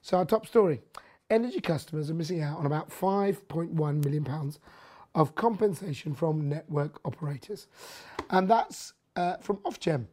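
This podcast host is hoarse and nearly losing their voice, which comes out husky, mellow and dark at medium pitch. Expressive and moderately paced, they chat loosely through energy news, rambling with lots of ums, restarts and opinionated asides.

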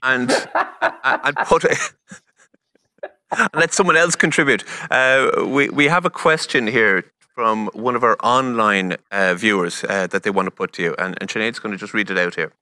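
A man's voice: medium pitch, a little slow, pushed and bright, smooth, dry recording, clean studio sound. A man, hosting a panel chat and steering it in an easygoing but firm way. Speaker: host.

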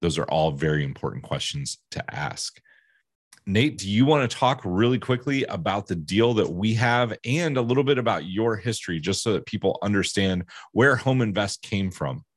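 A man's voice: fairly low pitch, expressive, moderate pace, slightly rough, dry recording, studio quality. A man hosting a podcast, asking questions and commenting on market conditions in a casual conversation. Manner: inquisitive, prompts the guest with questions. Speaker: podcast host.

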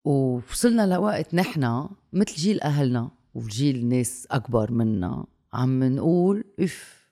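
With lively intonation and a moderate pace, this mellow, medium-pitched speaker chats casually in a Lebanese Levantine Arabic accent. English and French words slip into the talk, and phrases get repeated for emphasis.

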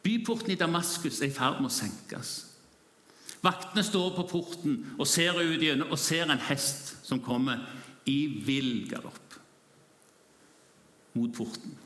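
Bright-voiced man telling a sermon story. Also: a little high, echoey room. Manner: vivid, imaginative retelling addressing the listeners. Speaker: preacher.

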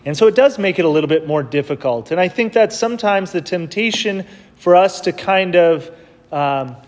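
A man with a somewhat high voice reads scripture as a priest and then talks through his homily in an easy, conversational manner. The words ring out with the long cathedral echo of a large church. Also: darkish tone. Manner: measured reading, then plain conversational preaching with fillers. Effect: cathedral echo, long church reverb. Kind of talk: gospel reading and homily at Mass. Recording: long reverb of a big church.

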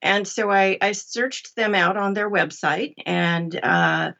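A woman's voice: mid-range voice, slow, sharp tone. American woman on dull, lo-fi audio. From Berkshires, western Massachusetts, US. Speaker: podcast guest, audiobook narrator. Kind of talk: casual conversational storytelling.

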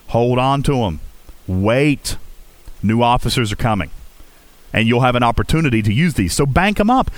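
A man's voice: mid-range voice, dry recording. A man from Virginia hosting a casual gaming livestream, chatting to viewers and answering their chat as he goes. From Virginia, USA. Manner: talkative, reads and answers viewer chat, keeps asking "okay?". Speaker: livestream host.

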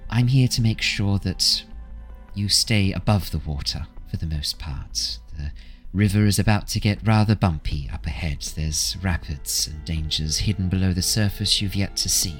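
A man voicing a kindly old woman fortune teller, gentle, calm and cryptic, in a tabletop role-play game. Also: sits low, moderate pace, soft background music, natural voice. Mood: solemn, cryptic.

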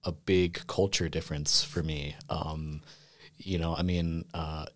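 A man's voice: very deep voice, level tone, measured pace, a bit bright. A young man who went to school in Iceland, chatting reflectively on a podcast with many "you know" fillers. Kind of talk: casual conversation.

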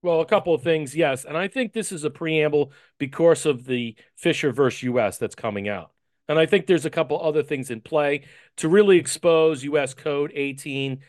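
Guy co-host, kinda higher voice, talks through legal stuff in a measured way. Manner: measured, explains legal details. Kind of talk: casual political commentary.

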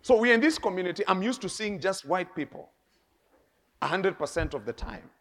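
Kenyan male preacher, middle-aged, fairly high voice, storytelling sermon, shifts quiet to loud. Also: brisk. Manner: animated, laughing, swinging between quiet and loud.

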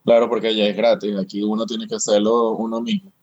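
A man on a podcast who drops fast, dry teasing remarks. His voice is low and a little husky. The sound is dull and lo-fi, as if from a weaker microphone. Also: little pitch movement, darkish tone, no room sound. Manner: dry, quick teasing quips. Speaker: podcast co-host. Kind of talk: casual podcast chat.

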